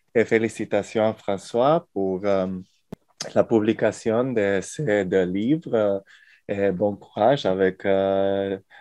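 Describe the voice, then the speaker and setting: Here a man speaks very slowly with a non-native accent. His voice is fairly low in pitch, dark and mellow in tone, with ordinary pitch variation. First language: not French (speaking French). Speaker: university professor. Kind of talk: lecture with slides. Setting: library event with audience. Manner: halting, searching for words.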